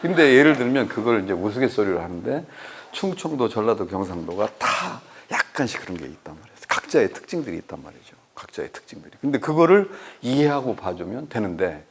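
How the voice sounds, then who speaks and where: A man's voice: on the low side, fast, a little hiss or hum. A male professor, giving a humorous lecture full of anecdotes and acting out conversations to tease his audience. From Chungcheong, South Korea. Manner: animated storyteller who acts out dialogue and teases the audience.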